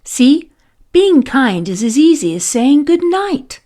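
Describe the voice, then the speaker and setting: A woman plays an encouraging female primary school teacher from a children's storybook. She is cheerful and emphatic, with a high, very animated voice and slow, drawn-out words. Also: heavily acted. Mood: gently teasing, warm.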